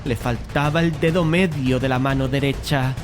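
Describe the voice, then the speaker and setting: A man playing a painter who narrates a dramatized horror tale in a measured, literary way, curious and uneasy. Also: mid-range voice, fairly even intonation, music in the background, lightly acted. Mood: horrified, grave. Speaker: narrator and lead character.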